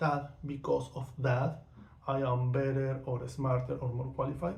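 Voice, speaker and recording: With a Venezuelan accent, a man speaks at a medium pitch in a somewhat breathy, dark, mellow tone, with audible room echo around him. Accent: Venezuelan accent, noticeable. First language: not English or Spanish. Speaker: vlogger on witchcraft. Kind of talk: casual monologue. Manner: halting, many fillers.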